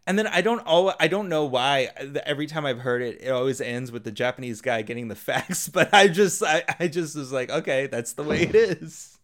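A man's voice: mid-range voice, animated, fairly quick, hardly any pauses, a bit bright. A man, a guest on a film podcast, telling a joke in a rambling way and laughing as he goes. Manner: rambling storyteller, laughs at own jokes. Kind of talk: casual film podcast chat.

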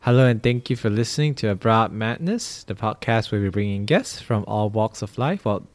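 A man's voice: fairly low pitch, lively intonation, moderate pace, dry recording. A young man from Malaysia hosting a casual podcast, rambling with lots of fillers. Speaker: podcast host. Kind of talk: casual chat.

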